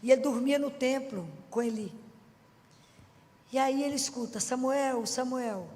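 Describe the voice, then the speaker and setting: A woman with a Minas Gerais accent giving a lively Catholic preaching talk, chatty and folksy, often asking the audience questions. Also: high voice, moderate pace. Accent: Minas Gerais Brazilian Portuguese. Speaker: Catholic lay speaker. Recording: long hall reverb.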